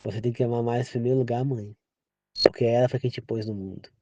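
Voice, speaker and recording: A man's voice: medium pitch, fairly even intonation, fast talker, mellow, no room sound, highs cut off. A man from Brazil giving an informal sermon, earnest and repetitive, often turning to the listener with direct questions. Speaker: preacher. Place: rural home.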